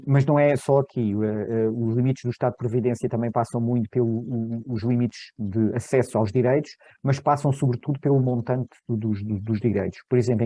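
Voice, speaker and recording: Very dark-voiced hesitant male researcher. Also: medium pitch, dry recording. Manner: hesitant, many repeated words and restarts. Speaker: researcher presenting his study. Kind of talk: academic seminar talk.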